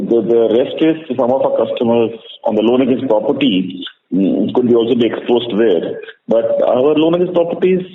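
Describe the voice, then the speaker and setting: A man with an Indian accent answering questions as a bank executive on a call, halting and repeating phrases to stress them. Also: on the low side. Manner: repetitive, halting, emphatic restating of phrases. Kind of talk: spontaneous answers to analyst questions. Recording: echoey narrowband phone line with faint noise.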